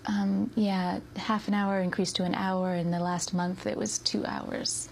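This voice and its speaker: Soft-spoken gravelly woman. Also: medium pitch, little pitch movement, unhurried, slight background noise. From United States. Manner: hesitant, with many ums and soft laughs. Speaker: interview guest. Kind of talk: soft-spoken interview answers.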